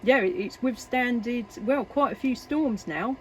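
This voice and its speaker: Her voice is on the high side and darkish, her pace measured, as this English CB radio operator and video maker chats casually and somewhat hesitantly. The clip comes from her home workshop and is noisy with radio static and hiss.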